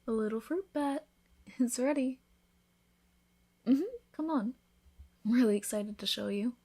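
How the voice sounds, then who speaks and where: Breathy, affectionate vampire bride voiced by a woman. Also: fairly high pitch, measured pace. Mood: playful, excited. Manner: soft-spoken, playful, tender, breathy whispers. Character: affectionate, teasing newlywed female vampire, protective and worried. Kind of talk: intimate ASMR roleplay addressed to listener.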